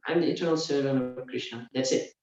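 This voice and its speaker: A man teaching a scripture class, explaining verse by verse and often filling pauses with "yeah" and "uh". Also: mid-range voice, fairly even intonation, a little mellow. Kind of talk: scripture lecture. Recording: very echoey room, dull lo-fi sound.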